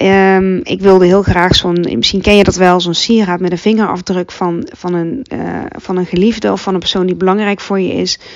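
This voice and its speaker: A woman at a medium pitch speaks against noticeable background noise. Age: 30s. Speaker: podcast host and yoga teacher. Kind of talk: personal monologue. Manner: halting.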